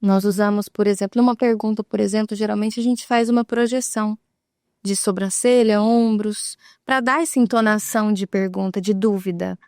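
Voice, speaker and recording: A woman's voice: medium pitch, steady tone, moderate pace, darkish tone, dry recording, studio quality. A woman with a Brazilian Portuguese accent, a guest on a talk show, patiently explaining and often checking in with tag questions. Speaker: guest, sign language expert.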